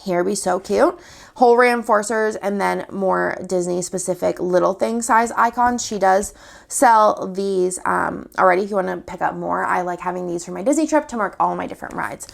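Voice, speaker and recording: A woman's voice: mid-range voice, moderate pace, gravelly. A young woman, chatty and upbeat, showing off new sticker products while sniffly from a cold. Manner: chatty, upbeat, walks through items one by one. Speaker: sticker shop owner. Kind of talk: casual product showcase.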